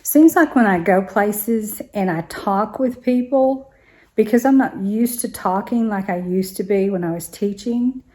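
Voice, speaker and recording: A woman in later life, a retired teacher, chatting casually to her vlog viewers in a slightly hoarse voice and thinking aloud as she goes. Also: mid-range voice, unhurried, darkish tone, low-quality recording. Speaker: vlogger.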